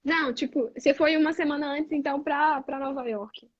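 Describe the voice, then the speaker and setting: A woman's voice: high-pitched, steady tone, brisk, no echo. A woman hosting a casual chat, reacting chattily and asking follow-up questions. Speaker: host. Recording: dull, dry, slightly muffled.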